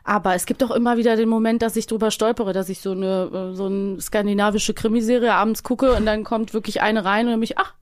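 A woman's voice: mid-range voice, steady tone, fast talker, few pauses, clear, resonant tone, no echo. Woman chatting, close dry sound. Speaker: podcast guest and voice actor. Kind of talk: casual podcast chat.

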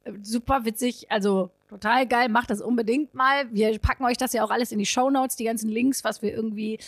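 A woman co-hosting a casual podcast, telling stories in a lively, laughing manner. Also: fairly high pitch, brisk, dry recording. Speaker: podcast co-host. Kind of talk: casual chat.

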